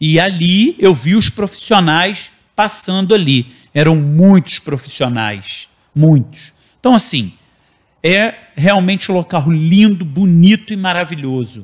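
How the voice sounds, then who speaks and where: Against a quiet background, a man with a high pitch speaks slowly-ish, at a fairly slow pace, with lively intonation. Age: 50s. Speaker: city councillor. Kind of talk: interview. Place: studio. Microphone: handheld.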